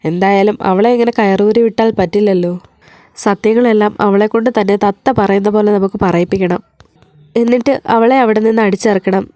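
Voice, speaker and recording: A woman's voice: mid-range voice, fairly even intonation, fairly quick, dark tone, no room sound, lightly acted. A woman voicing a stern, protective old grandmother who talks firmly and scolds. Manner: firm, scolding.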